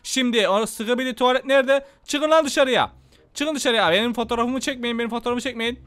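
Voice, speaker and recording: A young man commenting excitedly on a game he is playing, talking to viewers and taunting enemies. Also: very high-pitched, brisk. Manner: excitable, banters with enemies, addresses viewers as friends. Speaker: gaming YouTuber. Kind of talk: Let's Play commentary.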